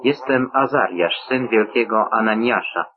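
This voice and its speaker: A man voicing a calm, reassuring angel in human guise in a scripture reading, in an earnest, measured way. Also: fairly low pitch, natural voice. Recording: tinny lo-fi phone-like audio.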